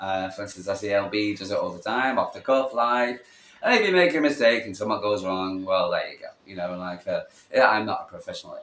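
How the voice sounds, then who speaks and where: The speech runs at a fairly quick pace with big swings in loudness. Noticeable background noise is present. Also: man. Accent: Mancunian. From Manchester, England. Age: 60s. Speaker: vlogger, football fan. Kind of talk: casual monologue to camera. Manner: off the cuff, unedited.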